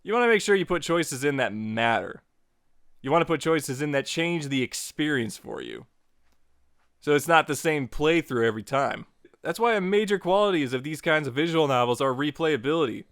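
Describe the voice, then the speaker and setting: A man with a slightly high voice hosts a casual, scripted tutorial. His pitch swings widely as he talks, and he slips in playful asides. The recording is close and dry. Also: animated, normal speed, fairly bright tone, no echo. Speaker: tutorial host.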